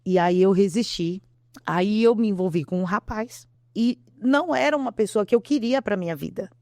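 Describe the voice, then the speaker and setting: Uma mulher com sotaque brasileiro dá um testemunho de fé emocionado numa entrevista, repetindo frases e encenando falas. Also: female voice, medium pitch, moderate pace, warm tone, dry recording, studio quality. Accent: Brazilian Portuguese. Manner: earnest, repeats herself, acts out quotes. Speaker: interview guest. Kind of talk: emotional testimony.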